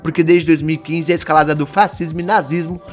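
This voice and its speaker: A Brazilian man casually arguing his views in a group discussion, blunt and animated, firing off rhetorical questions. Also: on the high side, fast, soft background music.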